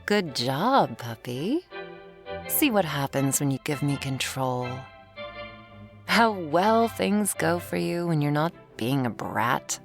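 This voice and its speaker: A woman's voice: low voice, sing-song, takes it slowly, creaky. A woman performing an ASMR roleplay as a commanding, teasing werewolf hunter who instructs the listener. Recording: faint string music behind.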